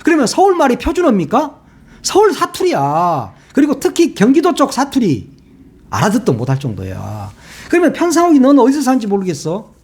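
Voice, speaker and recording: With an extremely high-pitched, darkish voice, a man runs his own political commentary channel. His casual delivery is sarcastic and mocking, punctuated by laughter at his own jokes.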